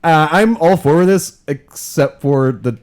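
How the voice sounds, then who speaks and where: A man's voice: on the high side, slow pace, darkish tone. A man co-hosting a casual podcast chat, opinionated and swearing freely. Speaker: podcast co-host.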